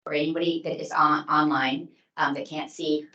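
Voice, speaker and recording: Woman, city staffer, loud and forceful, recorded from across the room. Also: deep voice, little pitch movement, moderate pace, reverberant, lo-fi sound. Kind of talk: public meeting explanation. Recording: distant mic in a room.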